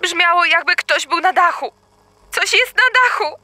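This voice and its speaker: An actress playing a terrified mother searching her dark house for her young daughter, panicked and pleading. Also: very high-pitched, a little slow, no echo, exaggerated voice. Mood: frantic. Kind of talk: audio drama acting.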